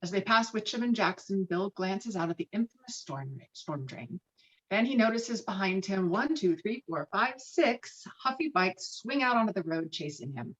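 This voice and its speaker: A woman's voice: mid-range voice, expressive, normal speed, fairly bright tone. A woman reading screenplay stage directions as a narrator, in scripted narration over a video call. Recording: dull, lo-fi online call audio.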